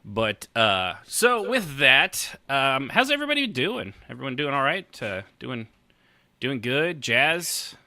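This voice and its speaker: A man's voice: mid-range voice, sing-song, slow, bright, forceful tone, no room sound. A man hosting a live podcast in a casual, rambling, joking and teasing way. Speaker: podcast host.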